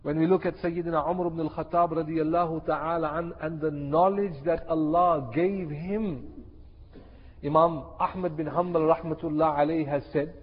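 Impassioned high-voiced male preacher. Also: steady tone, moderate pace. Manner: impassioned, repeats key phrases for emphasis. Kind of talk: sermon. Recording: echoey hall, dull lo-fi sound.

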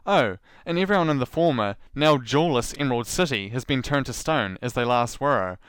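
Sarcastic New Zealand man, smooth voice. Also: medium pitch, brisk, dry recording, studio quality. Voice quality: sarcastic, animated storyteller. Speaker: podcast host. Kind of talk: sarcastic commentary.

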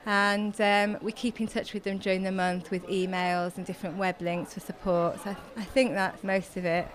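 A woman organizer explaining a program in a steady, informative way, with frequent fillers. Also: medium pitch, moderate pace. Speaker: campaign organizer.

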